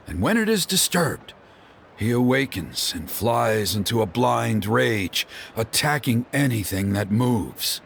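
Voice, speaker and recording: A man's voice: medium pitch, gravelly. An actor playing a middle-aged tribal elder and protective father in a video game, formal and theatrical, stammering when flustered. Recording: game music behind the voice. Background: game background music.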